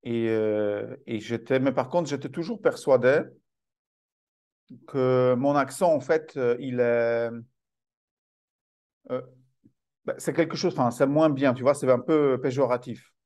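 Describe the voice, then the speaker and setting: A man hosting a conversational interview, speaking in a halting, reflective way and repeating words as he thinks. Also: mid-range voice, a little mellow. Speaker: host.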